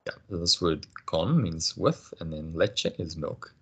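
A man teaching a casual language lesson, patient and encouraging, explaining things slowly. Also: low-pitched, expressive, husky.

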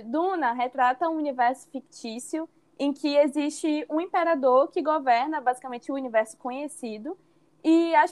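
A young woman hosting a casual podcast. She laughs easily and sums up plots in a chatty way. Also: high voice. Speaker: podcast host.

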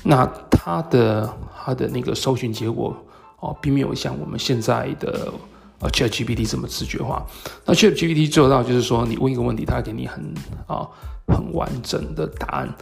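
A man speaks Mandarin with a Taiwanese accent in a mid-range voice full of heavy vocal fry. He explains his subject like a solo podcast host, in halting phrases broken by hesitant pauses. Soft music sits faintly behind him. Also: medium pitch. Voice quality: gravelly, creaky. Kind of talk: solo talk explaining tech and market topics.

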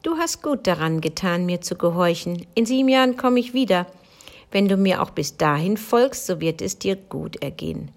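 A menacing woman in black from a storybook gives orders and threats in a cold, commanding tone, voiced by a woman reading aloud. She sounds stern and unyielding, with no warmth in her voice. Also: on the low side, animated, normal speed.

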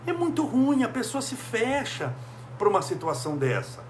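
A man's voice: high voice, huge pitch swings, moderate pace, a little hiss or hum. A man from Brazil giving a motivational talk, full of emphatic rhetorical questions. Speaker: speaker.

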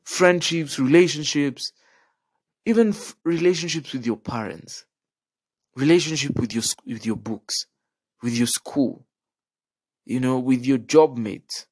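A young man with a Kenyan accent tells stories in a casual, animated, chatty monologue, checking in with the listener and dropping in Swahili slang. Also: medium pitch, unhurried, pauses often, husky, no room sound. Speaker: podcast host.

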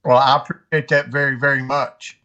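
A man's voice: mid-range voice, level tone, a little fast, sharp tone, highs cut off. A man from North Carolina, a guest angler giving earnest, encouraging advice in a casual interview. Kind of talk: casual interview over a call.

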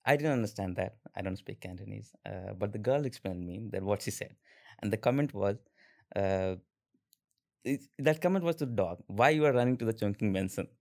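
A man in his twenties with an Indian accent, a podcast guest telling stories casually with halting restarts and fillers. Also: fairly low pitch, animated, vocal fry, a little mellow. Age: 20s. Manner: halting, many restarts and fillers, laughs often. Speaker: interview guest. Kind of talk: casual conversational storytelling.

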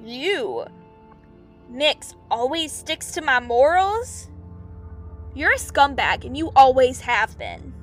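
A stubborn young runaway siren with a high voice and an unhurried pace. The delivery is blunt and emotional, in audio drama style. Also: female voice, sing-song, faint music behind, exaggerated voice. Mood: angry, hurt.

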